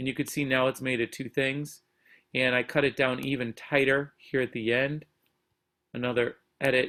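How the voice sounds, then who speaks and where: A fairly high-pitched male voice against a quiet background. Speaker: school music teacher. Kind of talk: tutorial. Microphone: webcam.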